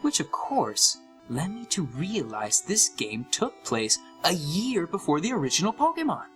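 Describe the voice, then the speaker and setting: A man giving an expressive, scripted first-person narration of a horror story. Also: on the high side, a little slow, faint music behind.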